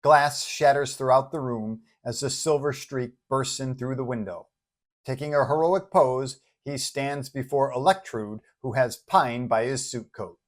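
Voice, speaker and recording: A man's voice: medium pitch, measured pace. A man narrating a scripted superhero adventure story as its host.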